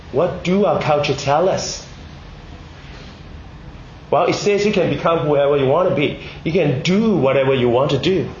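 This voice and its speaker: A man with a Malaysian accent, recovering from a cold, giving a prepared Christian talk in measured short phrases with rhetorical questions. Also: a little high. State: recovering from a bad cold, one ear blocked. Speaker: speaker at a Christian public talk. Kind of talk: prepared sermon-like talk to students. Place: indoor room, speaking to an audience. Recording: echoey room, dull sound, faint noise.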